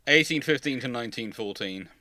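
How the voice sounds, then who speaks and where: A man hosting a live question-and-answer chat, halting and repeating words as he reads and answers. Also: medium pitch, expressive, pushed and bright, no echo, clean studio sound. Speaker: host answering viewer questions. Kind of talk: live Q&A chat on naval history.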